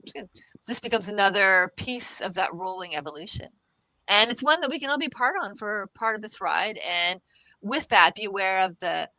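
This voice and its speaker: A woman's voice: mid-range voice, bright, forceful tone, dry recording, low-quality recording. A woman guest on a casual podcast interview, reassuring and laughing often, repeating herself as she talks. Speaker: guest expert on the future of work.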